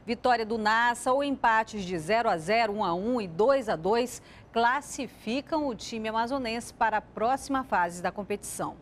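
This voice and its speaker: A woman anchoring a TV newscast, reading the news in a measured, formal way. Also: fairly high pitch, slight background noise.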